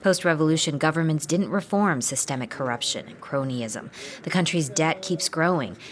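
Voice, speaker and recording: A woman with a Lebanese accent reporting the news and interviewing people in the field, measured and clear. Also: low-pitched. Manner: measured, clear narration and direct questions. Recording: outdoor field recording with noise.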